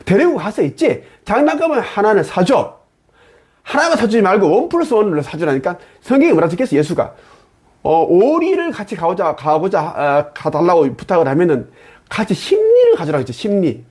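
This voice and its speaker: A man holds forth in a preachy monologue, answering his own rhetorical questions. His voice sits a little high and swoops widely in pitch. There is a slight husk to his tone. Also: huge pitch swings, fairly quick, a little mellow, slightly rough. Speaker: channel host.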